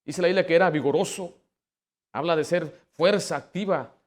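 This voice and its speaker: A man preaching as pastor, telling personal stories with acted-out quotes and rising to loud, forceful exhortation. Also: fairly high pitch, moderate pace. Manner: storytelling, acts out quoted voices, builds to loud exhortation. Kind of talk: sermon.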